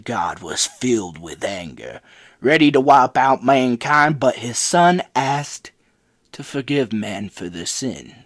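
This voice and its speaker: Slow, solemn archangel narrator, voiced by a man. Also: mid-range voice, sing-song, no room sound, studio quality, exaggerated voice. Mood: grave. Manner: grave, measured, storytelling. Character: Archangel Michael, solemn male angel telling creation's history. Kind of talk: scripted dramatic narration, myth prologue.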